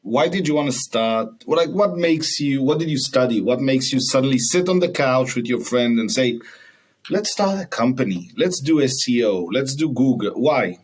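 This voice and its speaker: A man hosting a podcast interview, welcoming his guest and pressing him with quick, repeated questions. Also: mid-range voice, lively intonation, husky. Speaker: podcast host.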